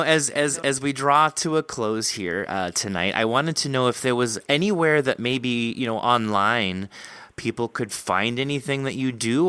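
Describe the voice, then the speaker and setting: A man's voice: medium pitch, pushed and bright, clear, resonant tone, dry recording. A man hosting a casual interview with an author, talking in an enthusiastic, complimentary way. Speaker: podcast host interviewing an author.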